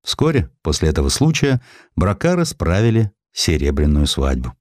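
Man, audiobook narrator, low voice, animated pitch, dry studio sound, measured expressive reading. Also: no echo. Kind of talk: scripted narration of a historical essay.

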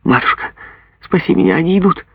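A man voicing a frightened young gypsy girl in an audiobook, pleading in a husky voice. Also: fairly high pitch, sing-song, fairly quick, no room sound, pitched above the performer's own voice, exaggerated voice. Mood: terrified. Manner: breathless, pleading. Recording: dull lo-fi dry recording.

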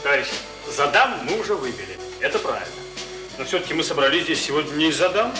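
An actor playing a pompous toastmaster in a radio play, giving a halting, padded banquet speech. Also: male voice, fairly high pitch, very animated. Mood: pompous, festive. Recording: echoey, distant mic, music behind.

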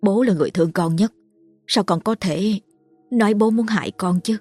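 A grieving widowed mother, scared out of her wits but trying to calm her child, her voice low and husky with a tearful, pleading edge, as a woman storyteller puts her on. It sounds like a storybook ghost tale read aloud. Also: normal speed, faint music behind.

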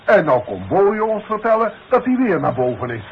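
Stern boss, noisy old radio play. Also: male voice, high voice, big pitch swings, moderate pace. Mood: stern, concerned. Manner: formal, authoritative. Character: stern, cautious boss disclaiming responsibility. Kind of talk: 1960s Dutch radio play acting. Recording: muffled, noisy 1960s radio recording.

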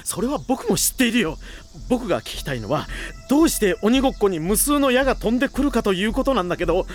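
A man's voice: high-pitched, very animated, quick pace, soft background music. An actor playing a polite male reporter who keeps getting baffled and exasperated, in an anime drama CD. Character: flustered male reporter, polite, easily rattled.

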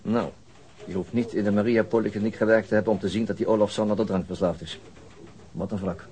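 An actor playing a steady senior police detective in a radio drama, dry, businesslike and commanding. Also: male voice, fairly low pitch, quick pace, close to an everyday voice. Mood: dry, weary.

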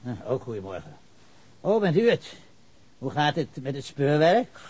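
A man's voice: mid-range voice, very animated, a little slow, a little mellow, slightly rough. An actor playing an evasive, argumentative, pedantic male witness with leftist ideals in a radio drama.

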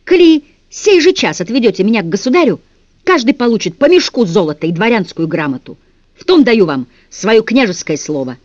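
An eager, insistent sixth-grade boy who calls out to his guards and bargains with them, as a man reading a children's storybook puts him on. The voice is fairly high and dry, captured on a dull studio recording. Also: sing-song, normal speed, dry recording. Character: sixth-grade boy prince, bold, pleading prisoner.

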